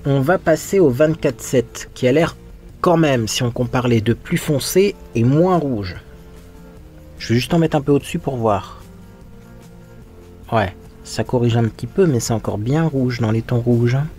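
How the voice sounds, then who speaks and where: A man's voice: mid-range voice, a little slow, darkish tone, soft background music. A man talking through his makeup as he applies it, in a frank, chatty get-ready-with-me style, often thinking aloud. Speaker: makeup vlogger. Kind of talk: casual get-ready-with-me commentary.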